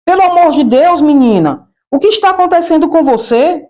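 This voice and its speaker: A woman's voice: sits high, big pitch swings, a little slow. A woman doing a shocked devout aunt, Brazilian. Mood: alarmed. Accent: Brazilian Portuguese. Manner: alarmed, exclaiming.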